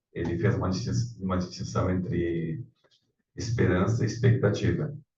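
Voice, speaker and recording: A man with a Brazilian accent speaks at a moderate pace with a very deep, low pitch, vocal fry and a dark, mellow tone. His pitch swings very widely, and the room echo is audible. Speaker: audience member asking a question. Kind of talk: audience question at a lecture.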